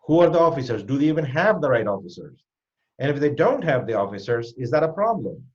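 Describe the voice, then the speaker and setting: A man hosting a live online question session speaks directly and with emphasis, his pitch jumping up on key points. His voice sits in the middle range and comes through slightly dull video call audio. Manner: direct, emphatic advice, with quick lively pitch lifts. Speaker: host and cybersecurity educator.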